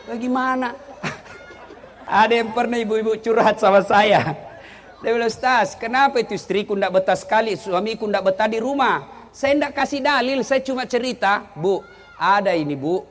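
High-voiced joking male preacher. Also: normal speed. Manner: animated, joking, swings between low asides and high exclamations. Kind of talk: humorous sermon to an audience.

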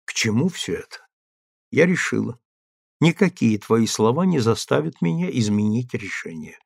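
A man voicing a calm, indifferent woman who speaks in a low, muted, flat tone. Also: normal speed, vocal fry, no echo, studio quality. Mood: weary. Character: cold, calm woman leaving her husband. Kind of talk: audiobook character reading.

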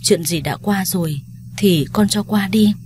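A woman voicing a loving middle-aged mother, pleading and gently insistent, in a told story. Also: mid-range voice, measured pace, slight background noise, lightly acted. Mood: tender.

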